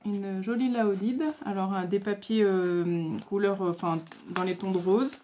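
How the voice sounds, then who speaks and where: A woman's voice: mid-range voice, fairly even intonation, measured pace, dark tone, a little hiss or hum. A woman vlogger casually showing crafts she received by mail, talking hesitantly with many fillers and stumbling over her words.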